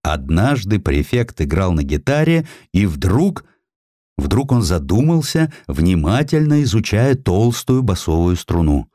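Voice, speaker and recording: A man's voice: sits low, sing-song, unhurried, mellow, dry recording, studio quality. A man narrating a historical sketch as an audiobook, expressively, in a theatrical, wry storyteller's manner.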